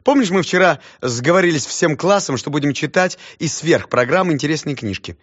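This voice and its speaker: A man reading a story aloud, voicing an exasperated female schoolteacher who scolds loudly. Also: expressive, a little fast, lo-fi sound. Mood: stern. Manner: shrill, scolding, loud.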